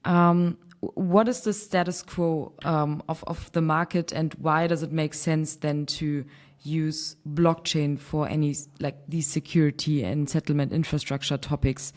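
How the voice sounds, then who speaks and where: Low-voiced German woman hosting a podcast. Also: fairly even intonation, unhurried, a little mellow. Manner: chatty, laughs easily, many fillers. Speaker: podcast host. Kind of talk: casual podcast interview. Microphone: remote call.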